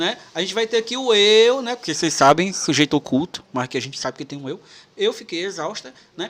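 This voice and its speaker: A man with a high pitch talks at a fairly quick pace in an animated tone with lively intonation, over noticeable background noise. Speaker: teacher. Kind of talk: lecture. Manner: fast.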